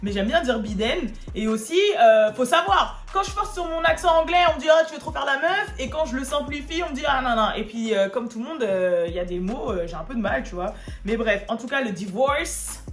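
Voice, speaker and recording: Young woman vlogger, chatty and animated, higher voice, echoey room recording. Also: brisk, few pauses, faint music behind. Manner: chatty, animated, many fillers. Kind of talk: casual gossip vlog.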